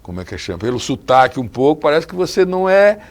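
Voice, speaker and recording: Talk show host, man in his sixties, gravelly, chatty, studio interview. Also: on the high side, big pitch swings, fast. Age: 60s. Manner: chatty, restarts often, asks follow-up questions. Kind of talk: casual interview chat.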